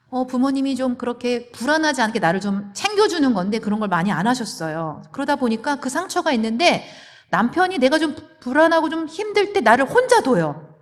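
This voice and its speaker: A woman counselor giving a church marriage seminar talk and sharing a personal story in a lively, expressive way. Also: fairly high pitch. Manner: personal testimony, soft quoted asides to her husband. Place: church hall. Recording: reverberant hall.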